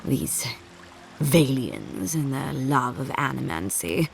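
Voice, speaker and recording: A woman playing a formal, measured and coolly menacing military captain in a video game. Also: extremely low pitch, very animated, vocal fry, slight background noise, heavily acted. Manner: formal, measured, veiled threat. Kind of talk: video game character acting.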